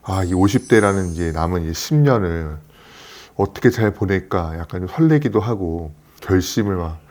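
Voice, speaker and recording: Low-voiced man in his fifties. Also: lively intonation, moderate pace, a little mellow. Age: 50s. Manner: storytelling, earnest and reflective. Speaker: plastic surgeon. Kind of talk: casual conversational talk.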